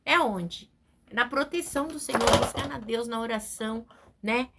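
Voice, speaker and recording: A woman's voice: on the high side, heavy background noise. A middle-aged woman preaching a testimony sermon to her congregation, earnest and often tagging her sentences with a questioning aside. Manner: earnest, fills pauses with frequent tag questions.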